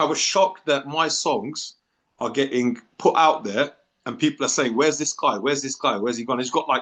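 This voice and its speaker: A man with a London accent talks at a fairly quick pace. His voice sits fairly high, with ordinary pitch variation. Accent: London accent, similar to host's. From North London, England. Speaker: rapper. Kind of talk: casual chat.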